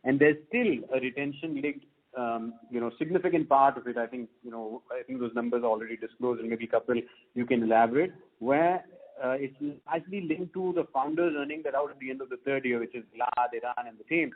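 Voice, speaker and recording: Over a thin, tinny phone line, an Indian-accented man answers business questions as a company executive. His voice sits at a middling pitch. He speaks off the cuff and stresses points by repeating words. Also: brisk. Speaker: company executive on an earnings call. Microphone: conference call line.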